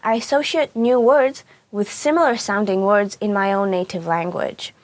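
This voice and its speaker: A woman's voice: mid-range voice, normal speed, dry recording. A young woman with an Israeli accent, Hebrew her first language, teaching a casual language lesson in a chatty way, often saying "like" and "you know".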